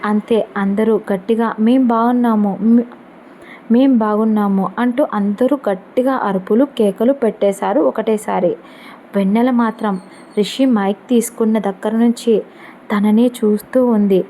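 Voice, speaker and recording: A woman narrating a love story in an expressive storytelling manner, mixing in English words. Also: medium pitch, moderate pace, slight background noise.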